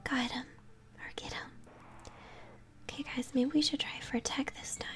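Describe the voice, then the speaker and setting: A woman's voice: high voice, little pitch movement, normal speed. Whispering young woman doing ASMR game commentary. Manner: encouraging, chatty, addressing viewers. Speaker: game streamer. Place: indoor room at home. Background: video game music.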